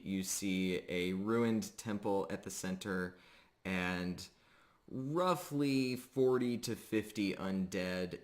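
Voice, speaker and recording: A man narrating a tabletop role-playing game as game master, improvising descriptions in a halting way. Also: deep voice.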